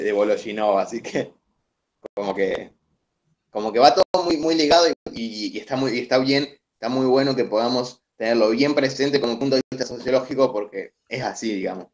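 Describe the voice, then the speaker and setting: A young man with an Argentine accent explaining a reading to classmates over a video call, hesitant, with many fillers and restarts. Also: on the low side. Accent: Argentine Spanish. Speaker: student presenter. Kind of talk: online study session explanation. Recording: dull lo-fi video call audio.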